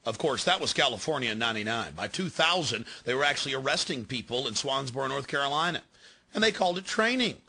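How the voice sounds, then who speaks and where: An American man with a raspy voice narrating impassioned political commentary in an emphatic, rhetorical way. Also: mid-range voice, expressive, fast talker, bright, forceful tone. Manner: emphatic, rhetorical questions, listing. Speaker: documentary filmmaker and narrator.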